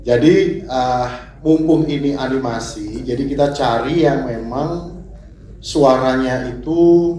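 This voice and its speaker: A man's voice: medium pitch, slow pace, warm tone. Chatty man speaking to the press. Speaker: film guest at a press conference. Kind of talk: answering press questions. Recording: echoey room.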